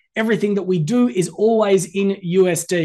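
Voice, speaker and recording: With a quiet background, a man talks in an Australian accent. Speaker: business coach running a sales workshop. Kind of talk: live workshop sales pitch. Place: home room.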